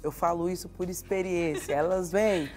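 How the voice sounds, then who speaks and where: Low-voiced Mineiro woman hosting. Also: steady tone, normal speed, darkish tone, soft background music. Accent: Mineiro Brazilian Portuguese. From Minas Gerais, Brazil. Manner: affirming, sermon-like encouragement. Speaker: TV show host.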